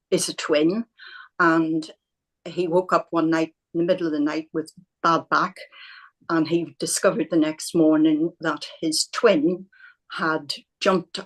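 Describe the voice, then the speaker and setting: A woman speaking as a guest on an online panel, giving hesitant, thoughtful answers over a video call. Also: low voice.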